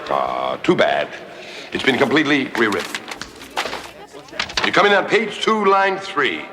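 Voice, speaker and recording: An actor playing a pompous, demanding radio star and director with a theatrical, imperious delivery in a television drama. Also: male voice, mid-range voice, wildly swooping pitch, measured pace, noisy background. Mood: brisk, commanding.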